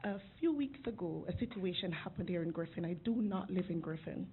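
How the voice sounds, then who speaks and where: A woman's voice: fairly low pitch, animated, fairly quick. A woman making an earnest, emotional public comment at a city council podium microphone. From outside Georgia. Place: city commission chamber. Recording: phone-like lo-fi council recording with faint hiss.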